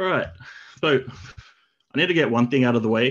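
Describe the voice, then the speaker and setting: A man with an Australian accent speaks in a medium pitch with ordinary pitch variation. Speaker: conference speaker. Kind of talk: conference talk. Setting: live stream. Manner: hesitant, many ums.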